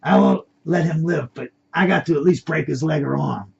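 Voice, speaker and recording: A man voicing a violent, mocking Hispanic male kidnapper in an audio story, loud and taunting. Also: a little high, normal speed, vocal fry. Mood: furious. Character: hot-headed Hispanic male masked thug, mocking and violent. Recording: dull lo-fi recording.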